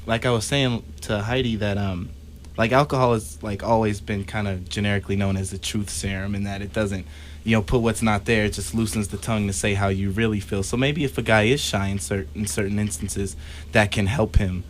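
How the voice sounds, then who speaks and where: Low-voiced man in casual radio chat, background hum. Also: fairly even intonation, fairly quick. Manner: conversational, explanatory, says "like" often. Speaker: radio show co-host.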